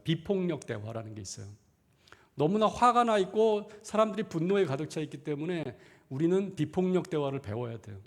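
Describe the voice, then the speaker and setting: A middle-aged man, a pastor, preaching a conversational sermon in a church, asking rhetorical questions and acting out inner thoughts. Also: a little high. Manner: acts out inner thoughts in quoted asides. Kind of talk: sermon seminar. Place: church sanctuary.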